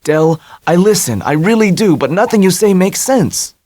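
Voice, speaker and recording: A man's voice: mid-range voice, lively intonation, normal speed, no echo, pitched above the performer's own voice, lightly acted. A man doing an anxious, worried young man. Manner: worried, exasperated.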